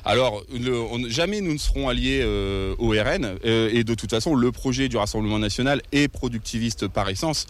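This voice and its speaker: A man's voice: mid-range voice, moderate pace, hardly any pauses. Young male activist from northern France, earnest, hesitant, being interviewed at a protest. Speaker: ecologist activist.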